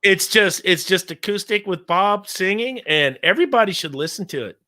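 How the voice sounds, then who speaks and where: A man in his fifties chatting casually as podcast host, excitable and rambling, often laughing. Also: high-pitched, moderate pace. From California. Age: 50s. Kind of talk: casual chat.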